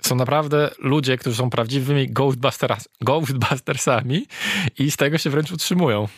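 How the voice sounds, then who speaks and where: A man shares his travel impressions as a guest in an interview. He speaks in a relaxed, hesitant way with many fillers. His medium-pitched voice sounds dry and close. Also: moderate pace, slightly rough, no room sound. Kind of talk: casual interview chat.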